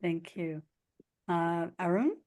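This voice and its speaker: A woman moderating a judging session, briskly thanking the presenter and calling on judges. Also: lowish voice, darkish tone. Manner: brisk, calls on judges by name.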